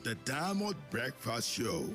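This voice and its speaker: A man's voice: mid-range voice, big pitch swings, measured pace, fairly bright tone. A man reading a scripted radio promo as the announcer. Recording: studio voice over clear music.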